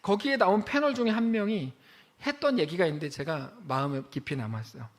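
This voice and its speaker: A man preaching a sermon as pastor of a church, telling a story in a lively way and acting out the quoted voices of the people in it. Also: sits high, fairly quick. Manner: animated storytelling, acts out quoted voices, exclaims.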